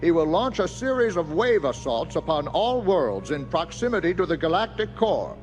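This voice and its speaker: An actor playing a grave rebel war council leader with formal, measured delivery in a space-opera audio drama. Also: male voice, on the high side, sing-song, darkish tone, faint music behind.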